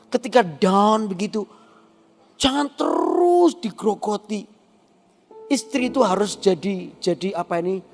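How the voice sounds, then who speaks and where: A man preaching a sermon as pastor, in a humorous, animated storytelling way full of asides. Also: high voice, measured pace, creaky, big-room sound.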